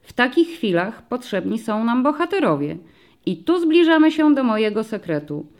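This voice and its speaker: A woman voicing a patient, friendly male police commissioner who explains things slowly to young children in an audiobook story. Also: on the high side, sing-song, voice pushed up. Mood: explaining.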